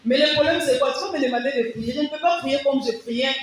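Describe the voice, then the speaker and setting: A woman whose first language is Kiwari defends her thesis, her very high voice explaining earnestly and restarting phrases as she searches for words. She is picked up from a distance in a large hall with heavy echo and a faint hiss beneath. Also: fast talker. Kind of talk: answering examiners' questions. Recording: echoey hall, distant mic, faint noise.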